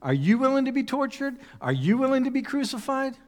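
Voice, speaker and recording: A man's voice: extremely high pitch, big pitch swings, a little fast, in a large hall. A man preaching a conversational sermon, putting rhetorical questions to his listeners. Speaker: pastor.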